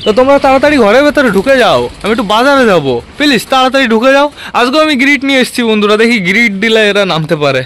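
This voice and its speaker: Bird-keeping vlogger, man from West Bengal, high voice, chatty, faint outdoor noise. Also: animated, rapid-fire, few pauses, fairly bright tone. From West Bengal, India. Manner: chatty, calls out to birds. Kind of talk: casual vlog narration. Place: outdoors at home pigeon loft.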